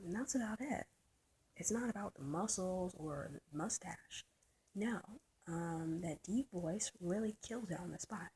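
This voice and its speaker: A trans man with a soft, light voice, thinking aloud in a personal vlog, halting and searching, often trailing into a whisper. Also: high-pitched, slight background noise, rough recording. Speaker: vlogger. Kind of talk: personal reflective vlog monologue.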